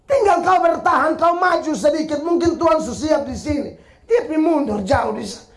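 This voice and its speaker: A woman pastor, preaching an animated, emphatic sermon, often raising her voice. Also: high voice, fairly quick.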